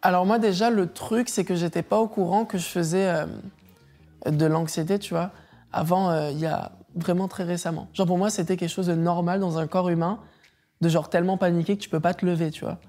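Lively young woman telling anecdotes. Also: on the low side, fairly quick, soft background music. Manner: animated storyteller, laughs often, acts out quotes. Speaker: guest. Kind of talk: casual interview chat.

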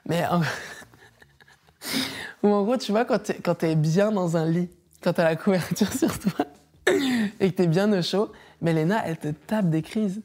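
A woman's voice: on the low side, unhurried, long pauses. A young adult woman, an interview guest, telling stories in casual chat, laughing often and acting out what others said. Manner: animated storyteller, laughs often, acts out quotes.

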